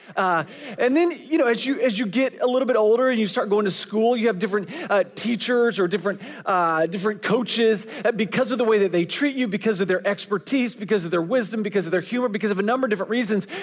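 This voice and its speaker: Very fast speech holds a very even loudness and ordinary pitch variation over noticeable background noise. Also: man, high pitch for a man. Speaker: pastor. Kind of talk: sermon. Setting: church. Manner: casual, conversational, humorous.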